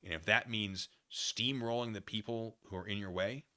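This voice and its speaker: A man hosting a casual livestream, thinking out loud in an opinion monologue, often rephrasing and qualifying what he says. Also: fairly low pitch, steady tone. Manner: musing, halting, often rephrasing and qualifying himself. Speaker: livestream host. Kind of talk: casual opinion monologue, answering chat comments.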